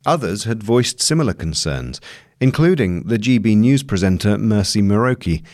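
A man reading a long-form piece of journalism as scripted narration, in a measured, articulate delivery. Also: lowish voice, animated, darkish tone, dry recording, clean studio sound.

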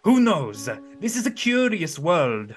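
A kindly old woodcarver father played by a man speaks in a raised, higher and louder voice, emphatic and gently scolding. Faint music sits under the reading. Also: big pitch swings, slow pace, exaggerated voice. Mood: fatherly.

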